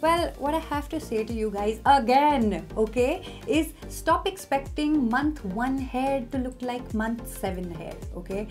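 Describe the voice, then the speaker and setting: A woman's voice: high-pitched, lively intonation, unhurried, few pauses, darkish tone, soft background music. A young woman giving hair care tips to camera in an emphatic, direct, chatty way. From India. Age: young adult. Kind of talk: casual instructional talk to camera.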